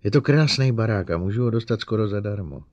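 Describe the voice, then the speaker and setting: A man's voice: lowish voice, expressive, a little mellow, no echo, muffled recording. A man voicing a friendly, somewhat shy young male engineer who talks eagerly and confides. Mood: chatty.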